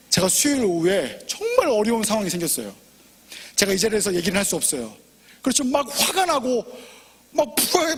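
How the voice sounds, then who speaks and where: A man preaching a sermon as pastor, impassioned and personal, swinging from loud pleading to hushed near-whispers. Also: high-pitched, breathy edge, in a large hall. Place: church sanctuary.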